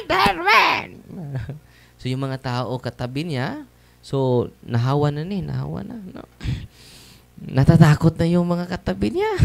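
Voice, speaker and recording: A man with a slightly high, creaky, dark-toned voice. He is a Catholic priest delivering a conversational testimony sermon to a seated audience in a church or hall, often throwing tag questions back at them.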